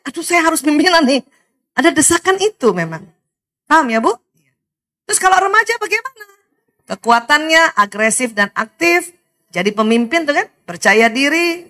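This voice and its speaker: A middle-aged woman with a high, bright voice gives a lively seminar talk to a room of mothers. She laughs easily and keeps checking in with her listeners through rhetorical questions. Her delivery stays animated throughout. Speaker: lecturer speaking to mothers.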